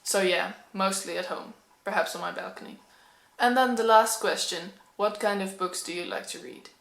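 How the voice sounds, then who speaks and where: A woman's voice: mid-range voice, normal speed, gravelly, fairly bright tone. Dutch woman vlogging in an echoey room. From Netherlands. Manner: candid, slightly nervous, with frequent ums. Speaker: book vlogger. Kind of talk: casual talking-to-camera vlog.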